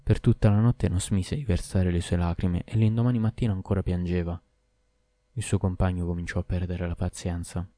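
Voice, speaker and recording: A man reading a classic tale as an audiobook narrator, in a steady, measured way. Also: sits low, no echo.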